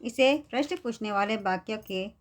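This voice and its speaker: A woman's voice: mid-range voice, normal speed. A woman teacher patiently explaining a lesson to young students, often checking in with them. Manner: patient, repeats "theek hai" to check understanding.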